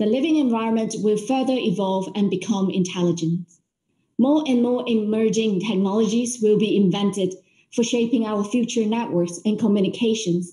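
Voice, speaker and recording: A woman's somewhat breathy voice, dark and mellow in tone, with ordinary pitch variation and audible room echo. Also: moderate pace. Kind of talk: prepared promotional talk. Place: office. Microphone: webcam.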